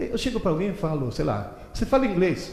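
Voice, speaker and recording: A man speaks at a fairly quick pace with very wide pitch swings. Noticeable background noise and audible room echo come through. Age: 70s. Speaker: teacher and lecturer. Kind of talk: lecture. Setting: stage with audience. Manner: animated.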